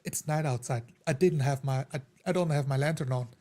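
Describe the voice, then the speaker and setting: A man's voice: mid-range voice, brisk, warm tone. A man talking casually as a tabletop roleplay player, recounting play and acting out little reactions as he goes. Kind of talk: casual game recap chat.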